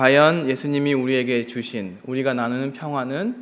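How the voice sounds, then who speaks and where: In a room with audible echo, a man speaks at a medium pitch with ordinary pitch variation. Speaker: pastor. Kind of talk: sermon. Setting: church.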